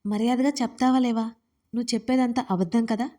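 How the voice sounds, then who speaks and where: A woman's voice: on the high side, fairly even intonation, quick pace, dark tone, close to an everyday voice. A woman voicing an irritable, hot-tempered young man in an audio story, speaking curtly and impatiently. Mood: irritated. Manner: curt, impatient, demanding.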